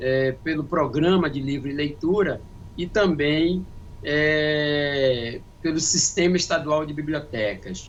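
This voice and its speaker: This man has a normal speaking voice with a fairly high pitch. He talks at a fairly slow pace with ordinary pitch variation. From Brazil, Salvador, Bahia. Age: 60s. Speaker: cultural foundation director, architect. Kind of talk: interview conversation.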